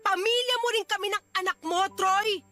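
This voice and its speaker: A woman's voice: very high voice, a little fast, pushed and bright, soft background music. A woman playing a young wife in a radio drama, heated and scolding. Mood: angry. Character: angry young wife, sharp and confrontational.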